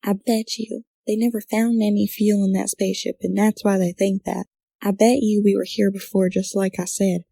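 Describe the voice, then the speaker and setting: A woman playing a confident, excitable adventurer in an audio drama, casual and insistent about her theories. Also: medium pitch, normal speed, gravelly, breathy edge, no room sound. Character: excitable female adventurer, sure of conspiracies and destiny.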